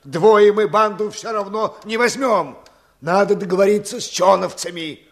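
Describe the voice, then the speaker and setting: An actor playing a cautious but commanding village official in a Russian radio drama, speaking with urgent, admonishing authority. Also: male voice, sits high, moderate pace, fairly bright tone. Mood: urgent pleading. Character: cautious, commanding village Soviet official, exasperated elder comrade.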